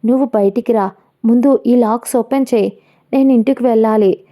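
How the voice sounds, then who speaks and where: A woman's voice: a little high, a little fast, dark tone, natural voice. A woman voicing a fearful but defiant young wife in a storybook reading, speaking with emotion. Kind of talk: storytelling narration.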